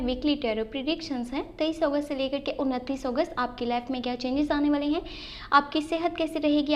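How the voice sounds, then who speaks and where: A woman with a slightly sore throat, giving a tarot reading to viewers and mixing in English phrases. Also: high voice. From Pakistan. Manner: mixes English phrases into her talk. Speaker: tarot reader and channel host.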